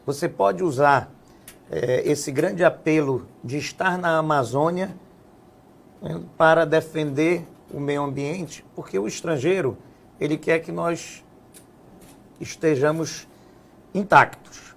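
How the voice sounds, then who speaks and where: A man speaks in a political interview, laying out his points in a steady, explanatory way. His voice sits a little high and carries a gravelly edge. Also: slight background noise. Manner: measured, explanatory, frequent "né?" tags. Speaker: guest, health businessman and former legislative assembly president.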